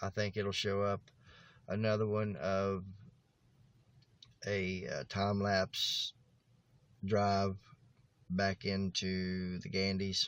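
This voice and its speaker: In an Appalachian accent, a man speaks very slowly at a fairly low pitch, his intonation flat and monotone, with long, frequent pauses. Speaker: vlogger and camper. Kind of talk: casual vlog rant. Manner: halting, some stuttering. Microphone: handheld phone camera, low budget.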